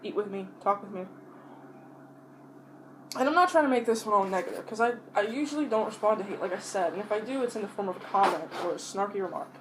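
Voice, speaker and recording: A woman talks casually to her audience during a meal, in an average-pitched voice. She rambles and pauses to chew between bites. Her wording is blunt and peppered with swearing, and faint noise sits behind the recording. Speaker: mukbang vlogger. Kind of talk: casual rambling chat to viewers while eating.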